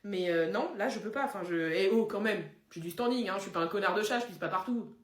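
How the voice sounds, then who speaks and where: A woman's voice: medium pitch, quick pace, close to an everyday voice. A woman voicing a cheeky, foul-mouthed female pet dog in a comedy sketch, crude and theatrical. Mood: deadpan. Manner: crude, deadpan then explosive. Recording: roomy echoey room.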